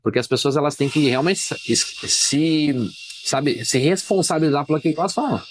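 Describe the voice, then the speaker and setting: A man, a journalist guest, talking in a casual podcast interview, opinionated and emphatic, telling stories quickly. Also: fairly high pitch.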